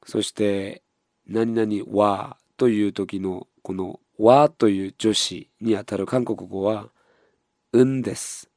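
Patient man with a low, mellow voice. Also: no echo, clean studio sound. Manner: calm, patient, repeats example words slowly. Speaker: Korean language teacher. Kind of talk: explaining a lesson.

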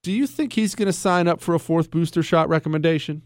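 A man's voice: on the high side, quick pace, no room sound. A man hosting a political talk show, delivering a mocking, jokey monologue with self-admiring asides. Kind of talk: sarcastic monologue.

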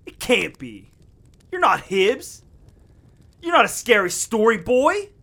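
A man's voice: high-pitched, wildly swooping pitch, slow pace, bright, forceful tone, exaggerated voice. An actor voicing a brash, swearing young male camper full of slang. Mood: incredulous.

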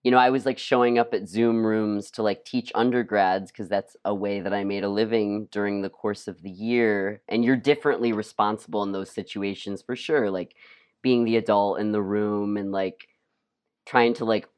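An actor chatting casually as an interview guest, speaking haltingly and peppering sentences with "like". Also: sits low, fairly even intonation, darkish tone, clear, resonant tone. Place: at home, remote session.

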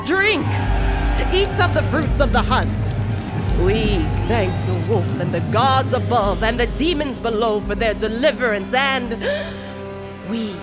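A woman's voice: fairly high pitch, expressive, a little slow. An actress playing a fervent tribal shaman, proclaiming in a ceremonial, incantatory way in an audio drama. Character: fervent tribal shaman leading a ritual feast. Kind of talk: dramatic audio fiction acting. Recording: loud music and crowd behind.

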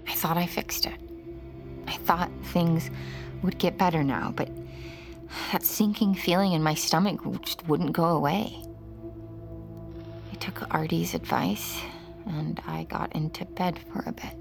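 A haunted mother, voiced by a woman who narrates her memories in a hushed, regretful voice. Her tone is low and gravelly, set over loud music in an audio drama. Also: steady tone, measured pace, pauses often.

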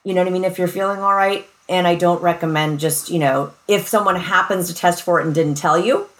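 A woman's voice: lowish voice, a little fast. An American woman speaking as a medical expert guest, explaining things in an informal, plain-spoken, conversational way.

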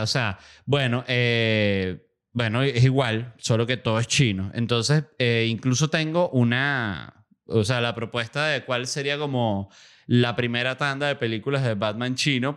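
A man's voice: medium pitch, a bit bright, smooth. A man hosting a podcast, rambling through a casual comedic monologue full of fillers and self-corrections. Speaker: podcast host.

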